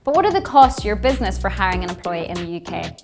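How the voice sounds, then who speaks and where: A woman's voice: medium pitch, big pitch swings, quick pace. A woman reading scripted narration for a business explainer. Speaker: corporate narrator. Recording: music bed under voice. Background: clear background music.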